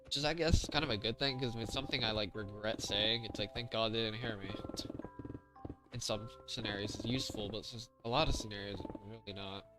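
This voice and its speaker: A man with a fairly low, quiet voice chats casually on a livestream, with music clearly playing behind him. He is soft-spoken and rambles hesitantly, putting little effort into projecting. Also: fairly quick, poor audio. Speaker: game streamer. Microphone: close gaming mic with high gain.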